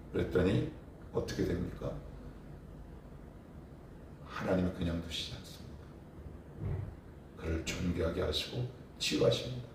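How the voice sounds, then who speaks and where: A man's voice: mid-range voice, a little mellow. A male pastor preaching at a morning prayer meeting, acting out cries to God. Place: church sanctuary. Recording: very echoey hall, distant mic.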